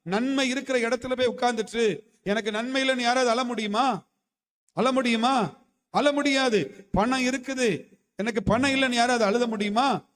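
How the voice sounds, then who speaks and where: Male pastor, very high voice, preaching with fervor in a reverberant church hall. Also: moderate pace, pauses often, fairly bright tone. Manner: impassioned preaching, calls for hallelujah responses. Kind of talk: fervent Tamil sermon.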